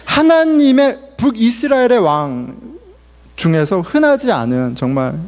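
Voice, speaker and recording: A man's voice: high voice, big pitch swings, unhurried, darkish tone, big-room sound. A male pastor in his forties preaching a sermon in a conversational way, asking the congregation questions and telling family stories. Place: church sanctuary.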